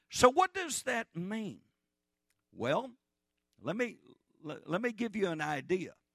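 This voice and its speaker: A man with a high pitch talks in an animated tone, making very wide pitch swings and long, frequent pauses. His voice has a dry, close sound with no echo. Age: 60s. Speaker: missionary preacher. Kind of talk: sermon. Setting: church with congregation.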